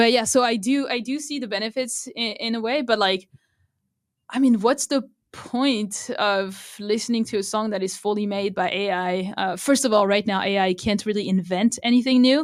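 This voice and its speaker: A woman's voice, pitched fairly high for a woman, shifts in pitch by an ordinary amount and keeps a moderate pace. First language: not English. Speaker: music producer. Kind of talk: interview. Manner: halting, many fillers.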